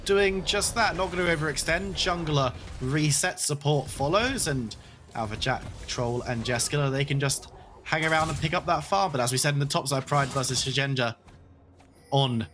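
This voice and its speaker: A man calling play-by-play for a competitive video game match, talking in a steady, flowing way with some playful banter. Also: a little high. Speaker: esports play-by-play caster.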